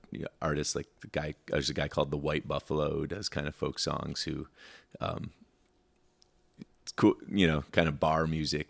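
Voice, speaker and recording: Low baritone guy from michigan, rambly chat with lots of ums and restarts, really deep voice. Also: creaky. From Michigan, USA. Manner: rambling, many fillers and restarts. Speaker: songwriter guest. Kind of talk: casual interview chat.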